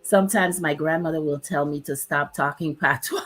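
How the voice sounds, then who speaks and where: A chatty woman from Dominica with a lilt and a lowish voice. She talks easily in a relaxed chat, laughing often and slowing down to lean on key words. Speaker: host. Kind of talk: casual chat.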